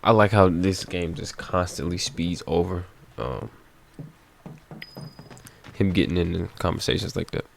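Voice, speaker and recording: A man's voice: deep voice, fairly even intonation, unhurried, gravelly, long pauses, a little hiss or hum. A man giving casual, wry commentary over a video game he is playing, with game sound faintly behind him.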